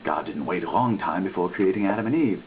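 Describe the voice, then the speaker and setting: A man's voice: sits low, lively intonation, fast. A man giving a dramatic reading of a written text, with a theatrical, emphatic delivery. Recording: tinny lo-fi recording with faint hiss.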